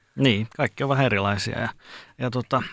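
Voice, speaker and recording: Here a man with a plain, everyday voice speaks at a fairly quick pace, medium in pitch with ordinary pitch variation. The recording is very clean with a silent background and has a dry, close sound with no echo. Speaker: sports podcast host. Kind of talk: casual chat.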